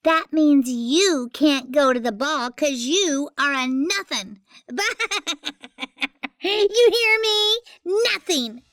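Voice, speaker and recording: A woman voicing a cruel, sneering bully from Cinderella's stepfamily in an animated fairytale, taunting with drawn-out insults. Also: high-pitched, no echo, clean studio sound, exaggerated voice. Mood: gloating, mocking. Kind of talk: animated fairytale storybook acting.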